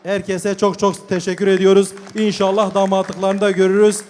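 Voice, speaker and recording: A man announcing at a wedding in a loud, projected celebratory style, calling out in repeated formulaic phrases. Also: high voice, completely flat delivery, normal speed. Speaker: wedding gift ceremony announcer. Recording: live event, crowd chatter, background noise. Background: crowd and ambient noise.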